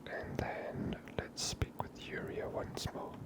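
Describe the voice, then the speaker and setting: A gamer giving gentle, hushed ASMR commentary over a video game, whispered close to the microphone. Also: slow. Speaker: ASMR gamer, channel host.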